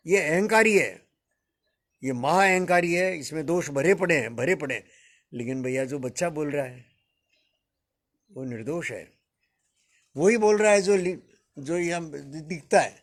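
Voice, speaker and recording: A man in his seventies, a spiritual teacher giving an unhurried, reflective discourse to his listeners, addressing them as friends and chuckling now and then. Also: on the high side. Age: 70s.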